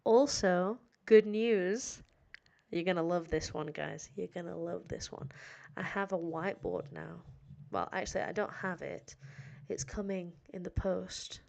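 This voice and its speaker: A Sheffield English teacher with a nasal northern accent rambles casually on a live stream for her learners, tired and a little hoarse, full of fillers and self-deprecating remarks. Her voice is lowish and darkish, and she speaks unhurriedly.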